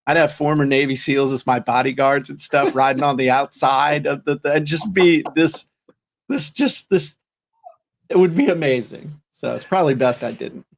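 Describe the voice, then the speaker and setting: A man's voice: mid-range voice, moderate pace, gravelly. A man co-hosting a podcast in casual chat, rambling and joking with lots of restarts. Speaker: podcast co-host.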